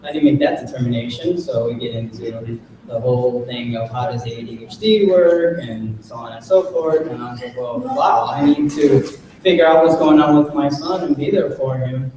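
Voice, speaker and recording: A chatty man of Cuban heritage tells his own story with quick, joking asides. His voice sits at an everyday pitch and sounds far from the mic, in a very echoey hall. Light room noise runs underneath. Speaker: panel speaker, parent. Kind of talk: personal story at a symposium.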